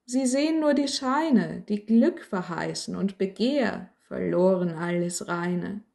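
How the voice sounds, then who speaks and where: Slow calm storybook cross on the wall, wise and earnest, woman doing it, dark soft tone. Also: medium pitch, vocal fry. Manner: calm, earnest rhyming speech.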